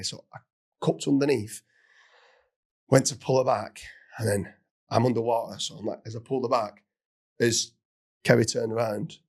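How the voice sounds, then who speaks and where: A man hosting a podcast, telling a funny story in a casual, animated way with plenty of swearing and laughter. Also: mid-range voice, creaky, slightly rough. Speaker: podcast host.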